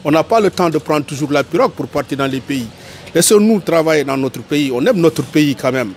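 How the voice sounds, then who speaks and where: A man's voice: fairly high pitch, expressive, brisk, a little hiss or hum. A man from Senegal with a Senegalese French accent, speaking earnestly in a street interview and pleading his case. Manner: earnest, pleading, repeats points. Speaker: tourism worker interviewed.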